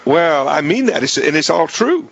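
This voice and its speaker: A man hosting a radio talk show in a casual, joking way, his voice raspy, often restarting his sentences. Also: a little high, sing-song, moderate pace, lo-fi sound. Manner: jokey, rambling with many restarts.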